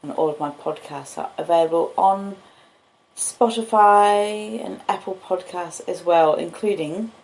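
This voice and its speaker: Her voice is lowish, creaky and a little mellow as this Australian-accented podcaster and audiobook reader chats and reads in a slow, cosy storytelling manner. The content moves between relaxed live chat and literary storybook reading. Laptop and phone microphones at home produce basic audio with roomy echo.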